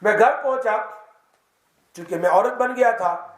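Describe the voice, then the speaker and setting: A man, an Islamic teacher, giving a mosque lesson. He tells the story in the first person and keeps quizzing the audience. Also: high-pitched. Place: mosque hall. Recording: echoey mosque hall.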